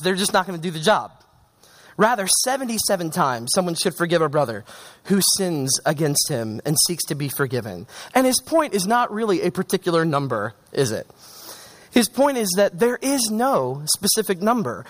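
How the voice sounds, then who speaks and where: A young man preaching a sermon in an animated, conversational way, with chatty asides to the congregation. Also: sits high.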